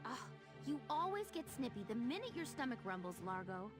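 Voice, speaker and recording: High-voiced, wry game soldier. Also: female voice, big pitch swings, a little fast. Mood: exasperated. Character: wry, teasing female soldier. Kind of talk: video game voice acting. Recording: very loud game music behind. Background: game music.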